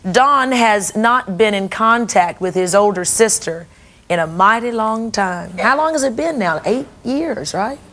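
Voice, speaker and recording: A woman's voice: medium pitch, a little slow, a bit bright. Woman hosting a daytime talk show. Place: television studio with audience.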